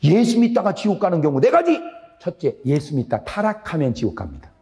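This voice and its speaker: A man leads a revival sermon from the pulpit of a church, his voice sitting a little high and moving over a very wide pitch range. He keeps throwing questions to the congregation and waits for them to answer. His loud high lines drop suddenly into low, quiet ones. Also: brisk, a little hiss or hum. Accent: Korean. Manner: call-and-response questions to the congregation; animated, swings between loud high lines and low drops. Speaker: pastor. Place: church sanctuary.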